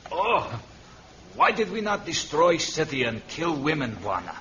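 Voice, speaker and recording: An actor playing a loyal, stolid tribal companion in a vintage radio serial, speaking in halting, clipped phrases. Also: male voice, fairly high pitch, big pitch swings, sharp tone, full character voice. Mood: grave. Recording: very noisy vintage radio recording.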